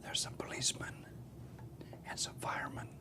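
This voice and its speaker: An older man voicing a small boy who answers the phone, in a breathy unvoiced whisper, as whispered role-play. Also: moderate pace, pushed and bright. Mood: deadpan.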